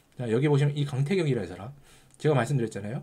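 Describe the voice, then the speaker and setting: There's a somewhat breathy quality to this man's voice. His pitch is fairly high. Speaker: stock market commentator. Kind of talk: market analysis monologue. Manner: conversational, rhetorical questions.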